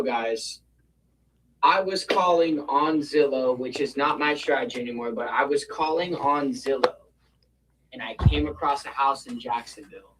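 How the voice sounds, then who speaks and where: A man talking as a guest real estate investor on a video call, telling his deal story in an animated way and acting out the quotes. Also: medium pitch, distant mic, rough recording.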